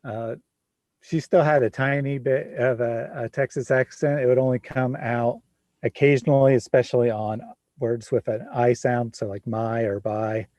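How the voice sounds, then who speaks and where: A man of forty hosts a casual livestream in an easy, chatty way and laughs now and then. His voice sits at an ordinary middle pitch. The sound is dry and close, with no room around it. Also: normal speed, no echo. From Midwest United States. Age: 40s. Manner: relaxed, chatty, laughs often. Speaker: livestream host.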